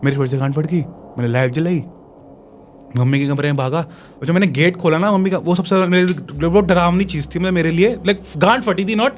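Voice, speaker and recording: A young man, a podcast guest, telling a long personal story in casual, animated speech, with crude slang and acted-out moments of fear. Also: on the high side, brisk, a little hiss or hum.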